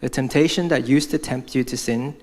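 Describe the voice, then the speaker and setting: A man's voice: mid-range voice, fairly quick, a little mellow. A young man from Hong Kong giving a prepared church testimony, speaking earnestly as if from notes.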